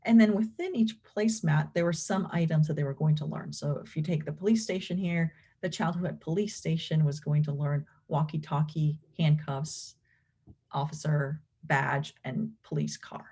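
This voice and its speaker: Low, husky woman lecturing. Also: fairly even intonation, normal speed, warm tone. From Venezuela. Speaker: clinical professor and behavior analyst presenting research. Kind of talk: explanatory academic lecture.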